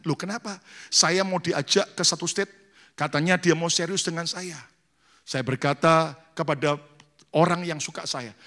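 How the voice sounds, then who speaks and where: A man's voice: a little high, fairly bright tone. A male pastor preaching a sermon, telling stories and acting out the voices of church members.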